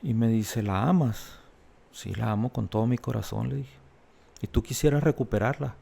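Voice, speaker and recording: A man's voice: mid-range voice, normal speed, vocal fry, dark tone, slightly rough. A man earnestly recounting a personal testimony in an interview, acting out the voices of the people he quotes. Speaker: guest telling his life story.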